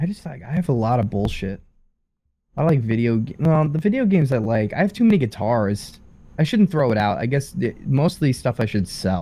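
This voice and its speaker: A man with an American accent, medium pitch, a dark, mellow tone, a somewhat breathy quality, very wide pitch swings, and a fairly quick pace. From New York City. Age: 20s. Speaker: game streamer. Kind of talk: casual chat.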